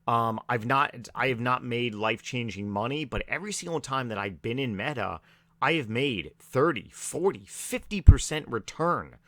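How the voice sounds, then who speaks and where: A man who is raspy from allergies, giving a low-key, filler-heavy stock market vlog. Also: lively intonation, normal speed, sharp tone, no echo. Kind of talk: casual market commentary.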